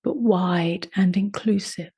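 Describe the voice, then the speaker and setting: A woman leading a guided meditation in a soft, unhurried voice that often drops to a half-whisper. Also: medium pitch, slightly rough, no room sound. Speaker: meditation teacher.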